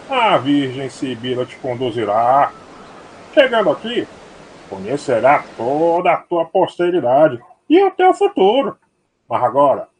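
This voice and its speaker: A Brazilian man playing the ghost of a loving, solemn old father in an audio drama, declaiming his words. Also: on the high side. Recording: noisy, with ambience behind.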